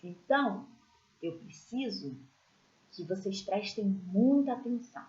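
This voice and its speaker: A woman teaching a children's religious class, telling stories in a gentle, expressive way and pointing out pictures as she goes. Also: mid-range voice, unhurried. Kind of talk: storytelling lesson for children. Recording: echoey room, dull lo-fi sound.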